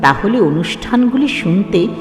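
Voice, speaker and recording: A woman's voice: mid-range voice, expressive, moderate pace. A woman reading a scripted programme announcement as the announcer. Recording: echoey hall reverb, music underneath.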